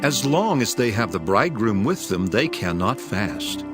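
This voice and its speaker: Male actor as calm authoritative teacher, solemn scripture drama, lowish voice, music underneath. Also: moderate pace. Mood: teaching, solemn. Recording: music behind the voice.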